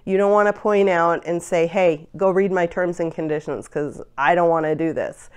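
A woman's voice: on the low side, clean tone. A woman in her forties, congested from a cold, chatting casually to camera on a lapel mic as she vents about running her online store. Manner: chatty, venting with frequent laughs. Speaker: online parts store owner. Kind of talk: casual vlog rant. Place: home room lined with storage drawers.

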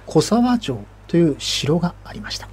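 A man hosting and narrating local history in a measured, explanatory manner. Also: fairly high pitch, big pitch swings, darkish tone, breathy edge, soft background music. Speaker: host and narrator.

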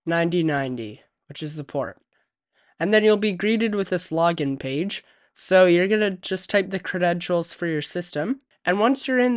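A man hosting a tech tutorial, walking through software setup step by step as a voice-over at a USB desk microphone. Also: sits high, clean tone, no room sound, studio quality. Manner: steady step-by-step instruction. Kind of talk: screen-recorded software tutorial.

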